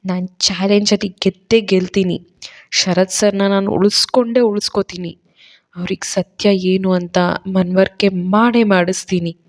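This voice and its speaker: A woman's voice: mid-range voice, fairly even intonation, a little slow, natural voice. A woman voicing a heartbroken young heroine who is emotional and determined.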